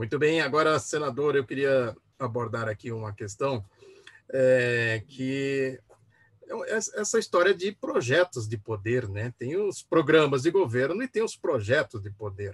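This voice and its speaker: A man talks at a fairly slow pace in an ordinary speaking voice. His pitch is medium and his intonation lively. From Maringá, Paraná, southern Brazil. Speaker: interviewer, online channel host. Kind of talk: political interview. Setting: live online broadcast.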